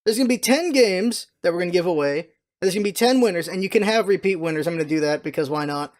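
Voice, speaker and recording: A man's voice: high-pitched, quick pace. A man giving a casual, rambling channel update as a vlogger, informal and thinking aloud as he goes. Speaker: video creator and streamer, channel host.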